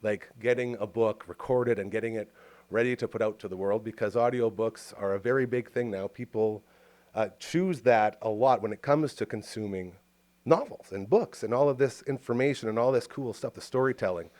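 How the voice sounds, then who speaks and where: A man's voice: fairly low pitch, moderate pace, a little mellow. A man with a Canadian accent hosting a podcast in a small home studio booth, talking in a rambling, enthusiastic, jokey way. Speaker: podcast host. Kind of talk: casual interview chat.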